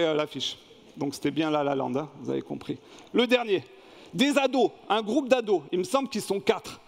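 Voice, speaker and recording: High-voiced man preaching in a reverberant church. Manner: lively, asks the congregation questions. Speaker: pastor. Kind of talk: sermon with a film quiz. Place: church hall. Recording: long reverb in a church hall.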